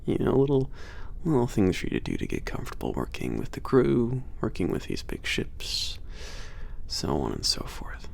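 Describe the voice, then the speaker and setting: Man playing a low, gravelly, laid-back werewolf trainer. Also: huge pitch swings, darkish tone, full character voice. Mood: relaxed, frank. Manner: casual, teasing, sweary, halting. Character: young laid-back, cocky werewolf maintenance trainer at spaceport. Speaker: trainer showing a new hire around. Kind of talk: ASMR roleplay, casual one-sided conversation.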